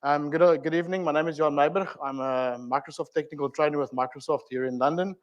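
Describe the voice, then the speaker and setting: A man's voice: fairly high pitch, steady tone, fast talker, highs cut off. A man with a South African accent giving an informal technical talk at a community meetup, chatty and filled with ums, uhs and asides to the audience. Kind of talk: informal tech presentation.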